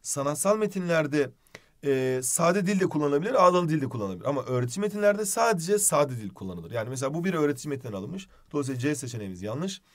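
Male literature teacher, higher-pitched voice, explanatory recap style, talks students through examples. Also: big pitch swings, quick pace. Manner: explanatory, addresses students as friends, writes on board while talking. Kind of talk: online lesson recap.

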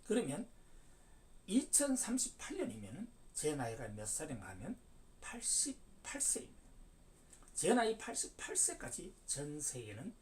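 Seventy-year-old man preaching with wildly swooping pitch. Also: wildly swooping pitch, normal speed, a little mellow. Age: 70s. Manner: emphatic, declaiming with sudden rises and falls. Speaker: religious lecturer. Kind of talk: preaching lecture. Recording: distant mic.

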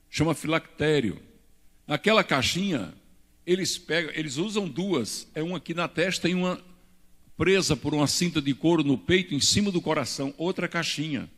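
An older man from Brazil, a pastor preaching a teaching sermon at a pulpit into a handheld mic, with emphatic rises and gestures. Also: a little high. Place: church stage at a pulpit. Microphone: handheld microphone. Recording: reverberant church hall.

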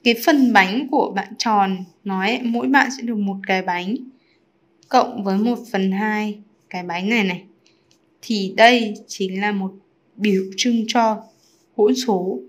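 Woman teacher, mid-pitched voice, chatty explaining, frequent check-in questions, online lesson. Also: fairly bright tone. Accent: Vietnamese. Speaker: math teacher.

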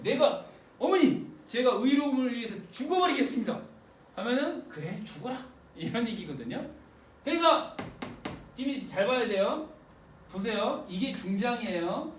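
A man teaching an exam-prep literature lecture in a lively, joking way, acting out lines as he explains. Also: sits high, echoey room, distant mic, slight background noise. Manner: lively and playful, jokes and acts out quotes.

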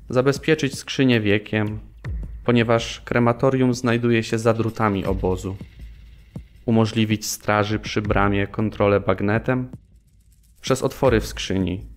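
Low-voiced grave prisoner played by an actor. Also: male voice, close to an everyday voice. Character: grave male Polish concentration camp prisoner recounting camp life. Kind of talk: dramatic reading of prisoner testimony in an audio drama. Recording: studio voice over background music.

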